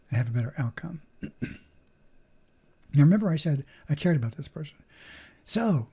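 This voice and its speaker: A man's voice: a little high, a little mellow. A man hosting a solo podcast, talking earnestly about mindfulness and coaching listeners as he acts out both sides of conversations. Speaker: podcast host.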